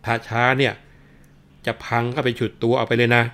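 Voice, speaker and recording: A man voicing a gruff police officer who shouts rough threats. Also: lowish voice, steady tone, normal speed, natural voice. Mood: bellowing.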